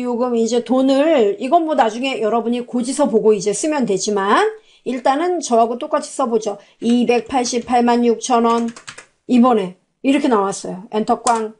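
A woman teaching a spreadsheet tutorial over her screen, chatty, putting questions to the class and answering them herself. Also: a little high. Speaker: computer instructor. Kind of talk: spoken software tutorial.

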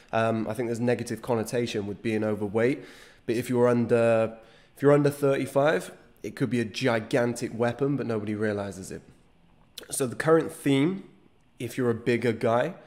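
A man's voice: medium pitch, a little mellow. A man in his thirties, a fitness channel host, talking to camera with a nasal voice from a cold, earnest and gesturing as he explains. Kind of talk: direct-to-camera talk. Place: small indoor studio room. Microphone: studio microphone on a desk stand.

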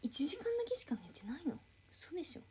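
A woman's voice: sits high, huge pitch swings, quick pace, darkish tone, a little hiss or hum. Bubbly young woman livestreaming. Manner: chatty, reacting to viewer comments. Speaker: idol livestreamer. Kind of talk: casual livestream chat.

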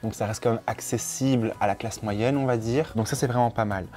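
A man's voice: medium pitch, steady tone, fairly quick, dark tone. A young man from Belgium with a Belgian French accent, explaining perfumes earnestly as a guest in a small room. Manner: earnest, explains with set phrases. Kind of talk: explanatory chat.

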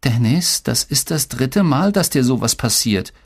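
A man's voice: mid-range voice, expressive, measured pace, breathy edge, pitched above the performer's own voice. A man doing a stern mother. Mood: dismayed. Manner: reproachful. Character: mother, stern middle-aged woman.

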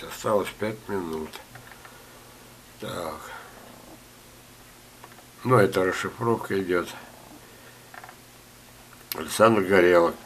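Older male gardening teacher, low-pitched, coughing, chatty with jokes. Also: a little hiss or hum, low-quality recording. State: ill, coughing. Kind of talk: screen-share talk reading viewer letters.

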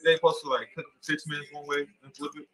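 A man's voice: fairly high pitch, flat delivery, fast talker, a bit bright, low-quality recording. A young man in a home kitchen, casually explaining each cooking step as he works, filmed on a phone on the counter. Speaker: host cooking on a ministry call.

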